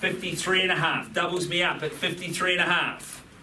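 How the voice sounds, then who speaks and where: Over noticeable background noise, a man speaks in an upbeat tone with a high pitch and a raised, projected voice. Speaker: auctioneer. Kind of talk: live property auction calling. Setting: auction room. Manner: upbeat, fast.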